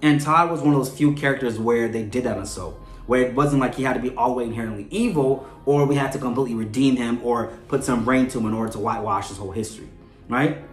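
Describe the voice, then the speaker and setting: Male commentator, mid-pitched, conversational and chatty host delivery, recorded with noticeable room echo. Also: fast. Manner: chatty, often ends points with a questioning "right?". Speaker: host of a soap opera fan show. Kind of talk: conversational character analysis commentary. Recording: roomy echo with music underneath. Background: background music.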